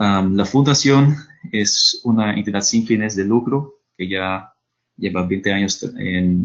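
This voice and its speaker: Ordinary pitch variation in a fairly low male voice. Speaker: sustainability foundation director, guest speaker. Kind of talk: webinar presentation. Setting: online webinar. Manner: hesitant, many fillers.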